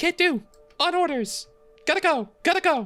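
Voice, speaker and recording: A put-on, squeaky character voice at an extremely high pitch and moderate pace, over faint music in the background. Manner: hurried.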